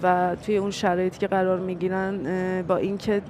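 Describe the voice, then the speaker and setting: A young woman with an Azerbaijani-tinged accent speaks slowly and thoughtfully, filling gaps with soft hums as she picks her words. Her pitch stays flat and even, and a steady murmur of people sits behind her on a studio lapel mic. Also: crowd noise. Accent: Azerbaijani-tinged Persian. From Ardabil, Iran. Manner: hesitant, thoughtful, many pauses and fillers. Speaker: actress guest. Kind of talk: interview answers. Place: indoor TV studio set.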